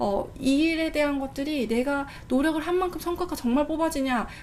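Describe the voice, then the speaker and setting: A woman talks at a fairly quick pace. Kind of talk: casual vlog talk. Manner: fast.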